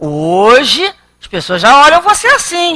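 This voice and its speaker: In a raised, projected voice, a woman sounds animated, her pitch swinging very widely. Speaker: spiritist lecturer. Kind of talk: lecture. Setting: spiritist center lecture hall. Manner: loud.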